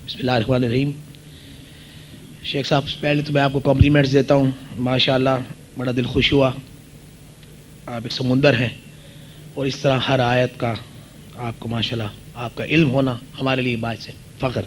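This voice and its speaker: A man's voice: medium pitch, little pitch movement, long pauses, a little hiss or hum, low-quality recording. A man from the audience politely and deferentially asking a long-winded question after a lecture.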